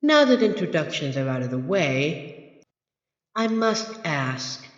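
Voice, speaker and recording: A woman voicing a smug, menacing monster from under the bed in an audio roleplay, haughty and taunting with drawn-out theatrical delivery. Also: sits low, very animated, heavily acted. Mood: indignant, demanding. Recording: echoey reverberant hall, slightly dull.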